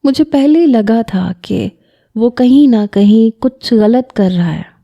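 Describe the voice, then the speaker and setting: A woman's voice: on the high side, expressive, creaky, mellow, muffled recording. A woman narrating an emotional first-person audio story in an earnest way.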